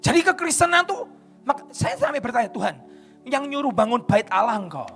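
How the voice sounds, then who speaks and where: A man with a Javanese accent preaching a sermon at a church service. He tells stories, moving between quiet narration and loud, emphatic declarations. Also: very high voice, very animated, fairly quick, husky, soft background music. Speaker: pastor. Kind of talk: sermon with storytelling.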